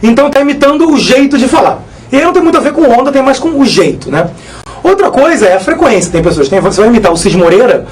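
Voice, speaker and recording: Fast-talking physics teacher. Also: male voice, very high voice, low-quality recording. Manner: energetic, repetitive, joking. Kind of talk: live exam-prep lesson.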